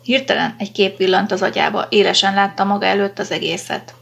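A woman narrating a science fiction story in a steady, measured audiobook reading. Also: mid-range voice, vocal fry, highs cut off.

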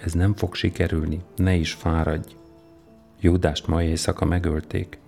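Stern older Roman governor, read by a man; very low, mellow, measured. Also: little pitch movement, vocal fry, faint music behind. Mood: quiet, sly.

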